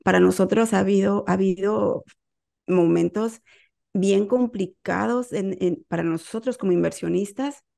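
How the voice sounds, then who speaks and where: A woman in her thirties from Mexico City with a Mexico City Spanish accent, giving steady, explanatory interview answers over a video call. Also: medium pitch, moderate pace, vocal fry. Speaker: guest, real estate investor. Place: home office on a video call.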